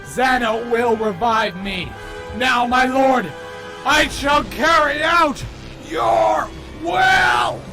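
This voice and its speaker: A man playing a zealous young cult follower in a cartoon parody, speaking in a creepy, calm, grandiose, reverent way. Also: high voice, a little slow, hardly any pauses. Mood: fanatical. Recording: music behind the voice.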